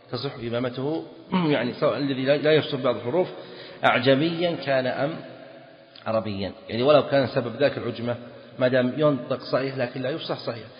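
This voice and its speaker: Male scholar, repetitive teaching lecture, dull recording with long reverb. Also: mid-range voice. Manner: explanatory, quizzes students, repeats phrases. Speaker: Islamic scholar teaching fiqh. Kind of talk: classroom lecture on a text. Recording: dull lo-fi audio in a reverberant hall.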